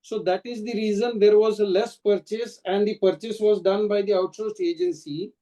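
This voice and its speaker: A man with an Indian accent answering questions as a company executive on a conference call, explaining in halting, restarted phrases. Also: high voice, steady tone, mellow, poor audio. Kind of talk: earnings call answers, spontaneous speech.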